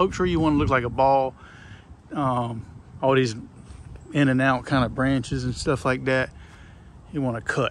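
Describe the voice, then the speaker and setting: In a Southern US accent, the speaker uses a relaxed tone and fairly even intonation at a moderate pace, with long, frequent pauses. The sound is dry with no echo, and light background noise is present. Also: man, medium pitch for a man. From US South. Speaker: gardening vlogger. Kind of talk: casual video walkthrough. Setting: outdoors. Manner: relaxed, rambling with fillers. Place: garden. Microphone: phone near.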